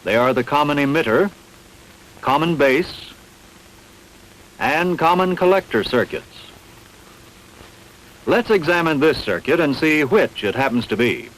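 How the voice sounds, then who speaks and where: A man reading scripted instructional narration in a measured, didactic, carefully enunciated way. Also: fairly high pitch, animated, a bit bright, low-quality recording. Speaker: training film narrator.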